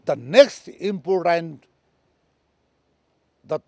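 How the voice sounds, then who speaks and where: A man from Nepal with a Nepali accent gives a history lecture in halting, non-native English, proud and emphatic. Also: on the high side, animated, dark tone, dry recording. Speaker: speaker on military history. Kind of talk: lecture on history, addressed to listeners.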